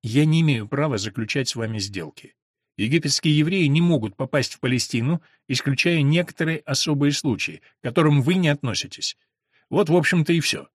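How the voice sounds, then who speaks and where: A man's voice: fairly high pitch, brisk, no room sound, studio quality, lightly acted. A man voicing an earnest young male recruiter who talks persuasively.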